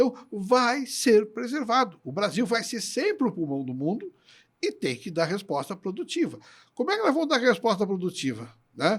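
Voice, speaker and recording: In a very clean recording with a silent background, a man with a high pitch speaks at a moderate pace, making very wide pitch swings. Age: 60s. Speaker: agronomist. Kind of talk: podcast interview. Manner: animated; halting.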